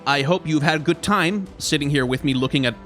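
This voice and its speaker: A young man, a little hoarse, chatting casually on a live stream, rambling and answering his chat as he reviews card art. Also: fairly high pitch, fairly quick, a bit bright, faint music behind. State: slightly hoarse.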